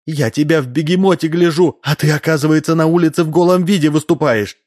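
A man reading an audiobook, voicing a shrill, scolding middle-aged housewife. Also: fast, a little mellow, close to an everyday voice.

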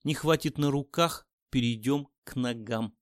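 A man voicing a cruel, sneering male crime boss in an audiobook, speaking slowly and coldly. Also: medium pitch, no echo, studio quality, natural voice. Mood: cold gloating.

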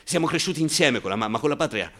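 An actor playing an anxious, bitter gay man recalling his frightened youth in a halting, confiding theatrical radio monologue. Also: fairly high pitch, lively intonation, a bit bright. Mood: pained, bitter. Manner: confiding, halting and repetitive, breaking into bitter outbursts.

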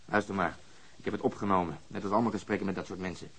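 Cynical police detective, radio drama, brisk, rough-edged voice, sardonic, matter-of-fact. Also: male voice, low-pitched, steady tone, fairly bright tone. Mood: sardonic, disgusted. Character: brusque, cynical, sarcastic male police detective.

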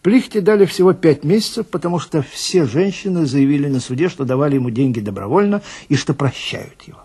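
A man's voice: a little high, animated, brisk, dark tone, breathy edge. A man telling a first-person story dramatically, in a conversational, wry way, as a police detective narrator.

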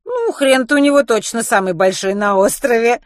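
A woman voicing a brash, foul-mouthed, indignant woman who exclaims loudly in an audiobook story. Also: fairly high pitch, huge pitch swings, moderate pace, no echo, studio quality, voice pushed up, full character voice. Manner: loud, outraged exclaiming.

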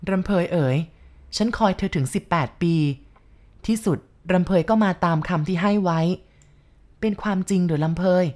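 A woman's voice: lowish voice, moderate pace, a little mellow, close to an everyday voice. A woman voicing an older man who pleads earnestly and sorrowfully with the love he waited years for. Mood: tender. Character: lovelorn man, older, yearning for lost love.

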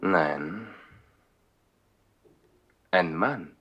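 An actor playing a lonely, yearning baron who lives in trees, speaking in a sighing, seductive manner in a 1960s radio play. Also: male voice, sits low, very slow, fairly bright tone, slightly rough, lo-fi sound, full character voice.

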